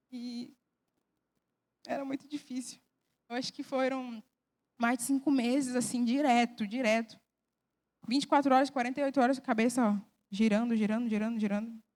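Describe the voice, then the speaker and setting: A young woman with a high, bright-sounding voice tells her story before a church congregation. She talks in a casual, heartfelt way. Her earnest, emotional delivery carries her personal testimony. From Brazil.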